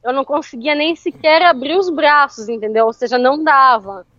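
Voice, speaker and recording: A high-voiced woman tells an animated story, laughing as she goes. The recording is dry and a little dull. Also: normal speed, no echo. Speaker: interview guest. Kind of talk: casual storytelling chat.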